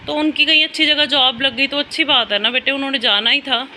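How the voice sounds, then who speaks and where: A woman's voice: sits high, fairly even intonation, quick pace, sharp tone. Chatty woman filming at home. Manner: chatty, coaxing and soothing toward her children. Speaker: mother and family vlogger. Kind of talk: casual home vlog talk. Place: home indoors at night. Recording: noisy home phone recording.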